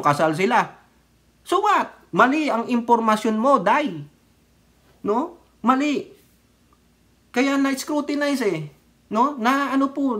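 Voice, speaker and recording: A man's voice: high-pitched, fairly bright tone. A middle-aged man giving rambling casual commentary on his vlog, mixing languages and asking his viewers "right?". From Philippines. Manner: chatty, rambling, mixes Tagalog and English, asks viewers "di ba?". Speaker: political vlogger.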